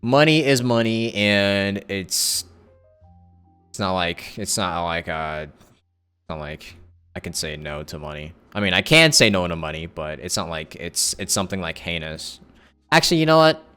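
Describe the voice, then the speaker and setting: A content creator chats casually with his livestream viewers in a low, expressive voice at a measured pace, bright and forceful yet clean in tone. He rambles, thinks aloud and corrects himself as background music plays.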